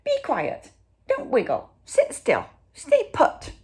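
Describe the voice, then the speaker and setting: Woman voicing high, bossy, scolding sea snails. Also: huge pitch swings, slow, darkish tone, full character voice. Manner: clipped, scolding commands. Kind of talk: children's picture-book character voice.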